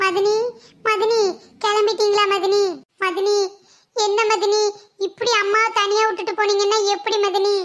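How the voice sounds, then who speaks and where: In a cartoonish character voice, a woman speaks at an extremely high pitch and a fairly slow pace, with monotone, flat intonation and very even loudness. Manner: cheeky, sly.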